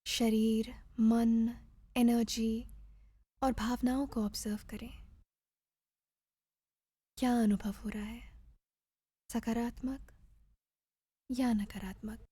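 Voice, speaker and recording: A woman leads a guided meditation in a soft, breathy voice. She speaks slowly and gently, leaving pauses between measured instructions. Her voice sits a little high yet stays mellow, captured close and dry. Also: level tone, no echo.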